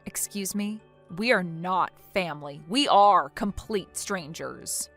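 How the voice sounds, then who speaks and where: A woman voicing a calm, resolute young woman who speaks in a cold, measured, firm way. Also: on the low side, faint music behind, voice pushed down, full character voice.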